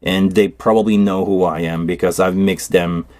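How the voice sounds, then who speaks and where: A man's voice: sits low, fairly even intonation, moderate pace, a little mellow, no room sound. A man with a Quebec French accent, a native French speaker, hosting a casual livestream and chatting loosely while he works on a cable build. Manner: loose, rambling, thinking aloud while working. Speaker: live stream host. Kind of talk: casual tech livestream chat.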